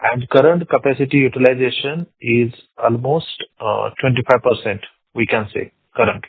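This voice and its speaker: A man with an Indian accent speaking as a company executive, answering investor questions in a halting, repetitive way over a phone conference call. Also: medium pitch, steady tone, husky, no room sound. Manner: halting, repeats words and phrases. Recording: narrow, tinny phone-line sound.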